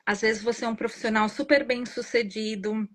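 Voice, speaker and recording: Interview guest, Brazilian woman with a fairly high voice, earnest and explanatory, often tags "né?". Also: fairly even intonation, brisk. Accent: Brazilian Portuguese. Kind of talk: reflective interview conversation.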